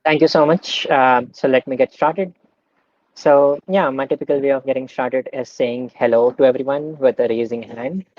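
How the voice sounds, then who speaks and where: A man's voice: medium pitch, normal speed, no room sound. Young man on a dull, dry video call. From India. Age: young adult. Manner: relaxed, many "um"s, explains with everyday examples. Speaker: guest speaker. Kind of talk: casual online talk.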